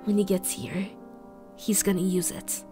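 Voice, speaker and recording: A woman's voice: mid-range voice, level tone, unhurried, mellow, soft background music, natural voice. A woman voicing a young captive boy in an audio drama, terse, defiant and fiercely loyal.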